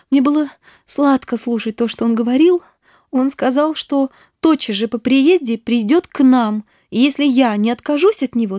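A woman's voice: sits high, a little mellow, no room sound, clean studio sound, lightly acted. A woman voicing a tearful, impulsive young woman on the verge of sobbing, in an audiobook. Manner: emotional, breaking into sobs. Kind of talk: audiobook reading.

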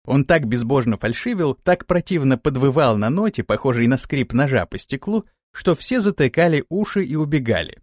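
Expressive male audiobook narrator. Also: medium pitch, normal speed, hardly any pauses, dry recording, studio quality. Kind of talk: scripted narration.

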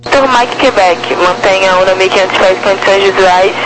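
A man's voice: high voice, normal speed, a bit bright. A man with a Brazilian accent giving procedural instructions as an air traffic controller over a crackly radio. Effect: crackly aviation radio transmission. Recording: crackly radio with clear static.

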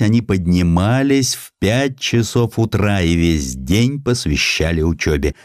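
A male narrator with a low voice tells a historical tale. His delivery is measured and theatrical, with lively rises and falls in pitch. The recording is dry and close. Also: no room sound. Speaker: audiobook narrator. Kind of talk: dramatic scripted narration of historical essay.

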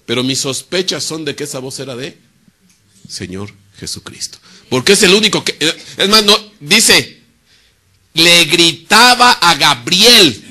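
A man preaching a sermon. He asks rhetorical questions and answers them himself, and he swings between loud emphasis and quiet, low asides. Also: sing-song, a little slow.

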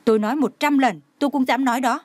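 Defiant tearful young heroine, woman reader, bright-pitched, dry read. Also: fast, no echo. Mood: defiant anger. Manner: indignant, pleading.

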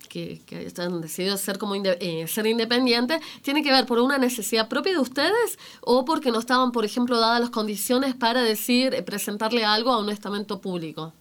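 A woman's voice: on the high side, animated, normal speed, few pauses, a bit bright. A woman with an Argentine Spanish accent co-hosting a radio talk show, playful and teasing, with a cold. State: has a cold. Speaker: radio co-host. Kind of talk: casual radio chat.

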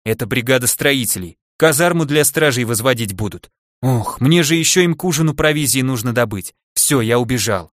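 A man voicing an exhausted, harried male dwarf shopkeeper who speaks hoarsely in an audiobook. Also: mid-range voice, lively intonation, fairly quick, a bit bright, no echo, clean studio sound, natural voice. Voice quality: hoarse, groaning.

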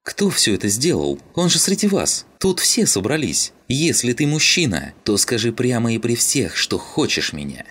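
A man reading an audiobook, voicing a furious teenage girl who shouts and demands answers. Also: fairly low pitch, sing-song, moderate pace, slightly rough, voice pushed up. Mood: angry, demanding. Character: angry teenage girl, tense and shrill.

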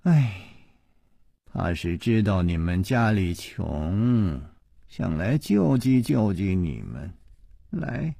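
A man's voice: low-pitched, very animated, slow pace, gravelly, dark tone, husky, no room sound, studio quality, exaggerated voice. A man voicing a fretful white-haired old servant woman, breathless and fussing. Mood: coaxing.

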